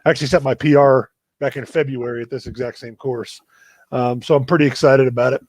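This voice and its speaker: A man hosting a live video chat, telling a story in a relaxed, self-deprecating way. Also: medium pitch, quick pace, no echo. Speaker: running coach and show host.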